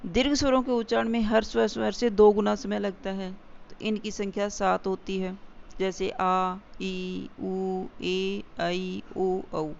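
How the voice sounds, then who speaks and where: A grammar teacher explaining definitions step by step, repeating key points and slowing down for examples. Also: medium pitch, little pitch movement, gravelly. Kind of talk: exam-prep grammar lesson. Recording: dull lo-fi recording with faint hiss.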